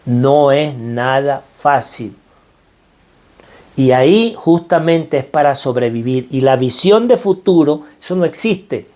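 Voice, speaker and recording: Here the financial mindset speaker, a middle-aged Venezuelan man, talks slowly and expressively in a dark, mid-range voice. His motivational message comes across earnest and preacherly. He repeats phrases for emphasis.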